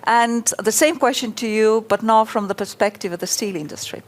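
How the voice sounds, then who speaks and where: A woman's voice: on the high side, a little fast. A woman from Estonia moderating a panel discussion, speaking hesitantly with many filler sounds.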